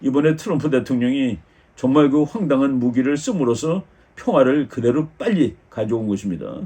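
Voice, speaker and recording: An older man lectures on world affairs in an even, explanatory way, pausing on fillers and restarting his sentences. His voice sits at a middle pitch with a dark, mellow tone. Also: breathy edge. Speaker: political science lecturer. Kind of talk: lecture on international politics.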